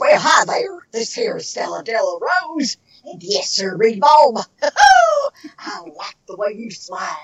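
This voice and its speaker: This put-on character voice has a fairly high pitch and moves at a fairly slow pace. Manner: flirtatious.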